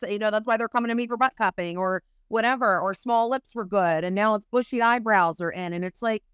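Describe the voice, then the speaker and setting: A woman makeup artist chatting as a podcast guest, animated and full of casual fillers. Her voice is smooth and clear at a middle pitch. The sound is dry and close. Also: dry recording. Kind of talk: casual chat.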